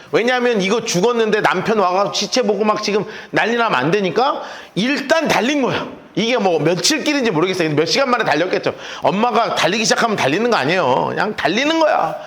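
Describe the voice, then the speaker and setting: A male pastor preaching a sermon, telling the story in an animated way and acting out the characters. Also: high voice.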